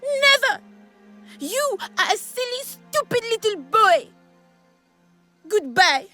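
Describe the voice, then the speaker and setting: High-voiced, melodramatic scornful young woman. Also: big pitch swings, slow pace, pushed and bright, soft background music, heavily acted. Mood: bitter, scornful. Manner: melodramatic, emphatic. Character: fiery, scornful young woman, kept lover of a gangster. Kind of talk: dramatic video game acting.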